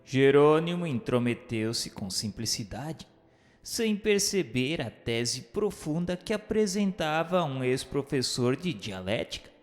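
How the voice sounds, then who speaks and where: An actor narrating a radio drama as a reflective novelist, in a formal, literary and measured way. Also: male voice, mid-range voice, expressive. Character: male first-person narrator, a reflective doomed Portuguese novelist. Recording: long reverb, faint music behind.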